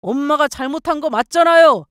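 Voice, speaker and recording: A woman's voice: sits high, fairly quick, a bit bright, dry recording, clean studio sound, pitched above the performer's own voice. A woman voicing an adult husband who speaks earnestly and reproachfully to his mother. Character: adult son and husband, firm and protective.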